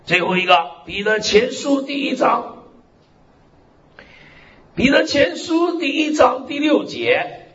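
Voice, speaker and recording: A man pastor delivers an emphatic sermon, his voice lively and swinging widely in pitch. He punctuates his points with hallelujahs and amens. The recording is lo-fi and roomy, like an echoey church hall. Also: takes it slowly, pauses often. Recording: echoey hall, dull lo-fi sound.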